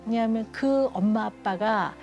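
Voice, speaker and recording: A woman speaking as a child psychiatrist guest on a TV talk show, telling an emotional story in an earnest, warm way and acting out the people she quotes. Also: fairly high pitch, measured pace, over music. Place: TV studio.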